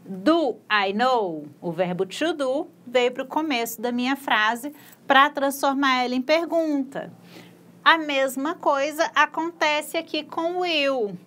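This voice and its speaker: Slow-paced Brazilian woman teaching English. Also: sits high, bright, forceful tone. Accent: Brazilian Portuguese. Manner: slow, patient explaining, spells out English sentences word by word; casual and encouraging. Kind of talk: recorded video lesson.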